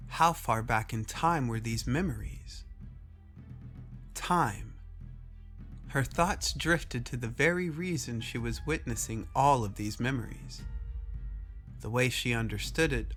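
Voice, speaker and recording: A man's voice: mid-range voice, fairly bright tone. Man narrating a dramatic story over music. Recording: music under the voice. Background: background music.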